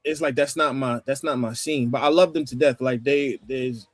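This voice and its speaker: A man with a New York accent talking casually on a livestream panel, rambling, with restarts and throat clearing. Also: mid-range voice, normal speed, no room sound, faint music behind. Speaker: panel guest.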